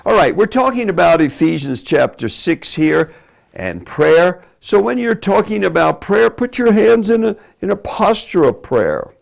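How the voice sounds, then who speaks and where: A man giving a teaching lecture on preaching delivery, animated and demonstrative, dropping from loud emphasis to hushed asides. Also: sits high, measured pace, vocal fry. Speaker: Bible teacher.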